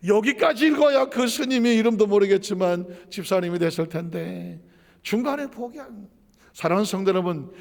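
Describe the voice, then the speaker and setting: Middle-aged male Korean pastor, storytelling sermon, raised gravelly voice, reverberant hall. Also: high voice. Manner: storytelling, asks the congregation questions.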